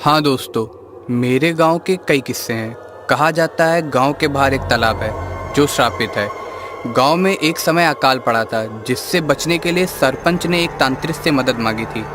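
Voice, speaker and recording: A man's voice: medium pitch, moderate pace, lightly acted. A man playing an earnest, determined village boy in cartoon story dialogue. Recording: music behind the voice.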